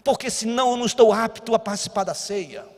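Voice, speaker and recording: A Brazilian pastor preaching a sermon, moving between quiet teaching and loud exhortation. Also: male voice, high voice, fast. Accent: Brazilian Portuguese. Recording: long church hall reverb.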